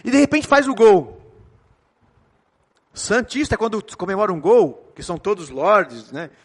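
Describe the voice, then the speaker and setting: A middle-aged man from Brazil with a Brazilian Portuguese accent, preaching a sermon with joking, animated storytelling. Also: high-pitched, a little slow, husky. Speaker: pastor.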